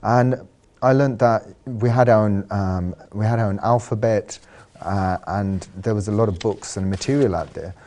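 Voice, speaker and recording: A man's voice: on the low side, moderate pace, darkish tone, slight background noise. A man, an artist and designer, answering interview questions thoughtfully in a studio, with frequent ums and you-knows. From London. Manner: thoughtful, uses fillers like um and you know.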